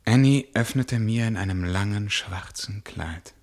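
An actor playing a brooding, observant diarist who narrates a 1960s German radio play. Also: male voice, on the low side, unhurried.

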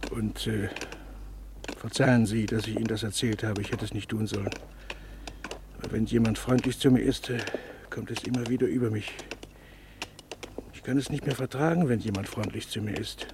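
An actor playing a broken, gentle camp survivor in a radio drama, speaking haltingly in a rough voice. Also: male voice, on the low side, fairly even intonation, background noise, close to an everyday voice. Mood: apologetic, weary. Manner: hesitant, halting, faltering.

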